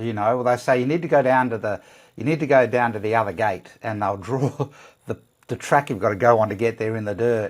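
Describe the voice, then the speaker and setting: Fairly quick delivery in an Australian accent, with ordinary pitch variation. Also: man, medium pitch for a man. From Western Australia, rural country towns. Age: 60s. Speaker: business consultant. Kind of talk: interview.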